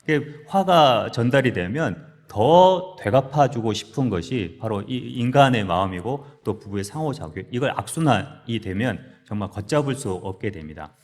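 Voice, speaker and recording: A male pastor speaks at a marriage seminar in a church hall. He tells stories with a lively, swinging delivery. His voice sits in the middle range and rings with long reverb. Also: medium pitch, normal speed, few pauses. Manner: lively storytelling, acting out quarrels with sudden loud lines.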